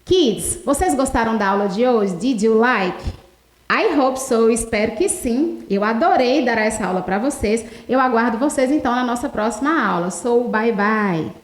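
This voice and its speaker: Brazilian lady english teacher, high voice, explains everything twice in both languages, roomy echo. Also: lively intonation, normal speed, soft background music. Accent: Brazilian Portuguese. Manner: explains step by step, switching between English and Portuguese. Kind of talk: televised lesson.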